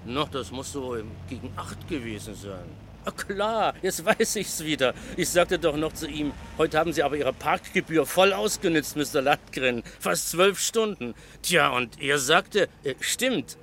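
A man's voice: on the high side, expressive, a little slow, hardly any pauses, pushed and bright, slight background noise, exaggerated voice. An actor playing a chatty, simple parking attendant in a radio crime play, deferential and eager, often hesitant as he thinks.

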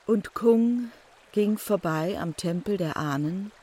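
Solemn storyteller for a radio play: high voice, very deliberate, recitative delivery. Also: male voice, dark tone. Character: solemn narrator of an ancient Chinese tale. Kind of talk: poetic scripted narration.

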